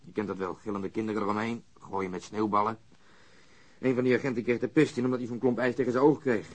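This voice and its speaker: An actor as a cynical, impatient police detective in a radio play. He grumbles quickly in a low, husky voice, irritable and sardonic. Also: steady tone, natural voice. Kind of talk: radio drama acting.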